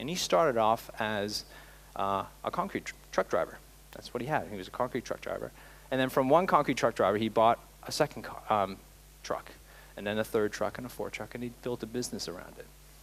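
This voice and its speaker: A man with a Canadian accent and a normal speaking voice, medium pitch, lively intonation, a fairly quick pace and big swings in loudness. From Canada. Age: 40s. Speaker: chiropractor and business speaker. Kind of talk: talk to business audience. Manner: conversational, with many fillers and restarts.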